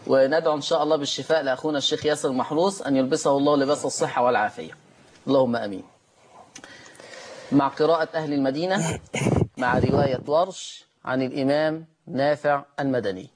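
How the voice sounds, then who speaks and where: A man hosting a Quran recitation lesson, chanting verse slowly and melodically, then explaining rules at a brisk conversational pace. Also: mid-range voice. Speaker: Quran recitation teacher and host.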